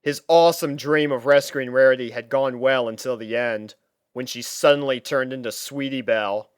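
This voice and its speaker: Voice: medium pitch, steady tone, normal speed, smooth, dry recording, studio quality. A narrator reading a story aloud from a script. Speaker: fan fiction reader and narrator.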